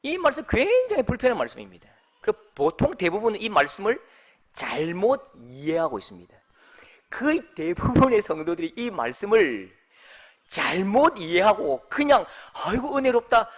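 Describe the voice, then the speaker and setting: Animated pastor preaching. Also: male voice, sits high, moderate pace. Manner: animated, humorous, rhetorical questions. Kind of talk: sermon.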